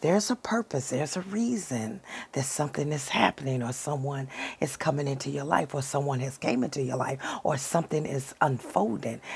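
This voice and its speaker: A woman speaks in a calm tone at a fairly quick pace, her very deep, low pitch somewhat breathy. Her intonation is lively. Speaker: tarot reader. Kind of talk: tarot reading. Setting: recording at night. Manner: hesitant, many fillers.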